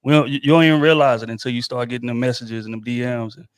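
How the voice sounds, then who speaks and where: A man's voice: medium pitch, rapid-fire, clean tone, dry recording. A male host of a casual chat show, talking in a laid-back, slangy way with many fillers.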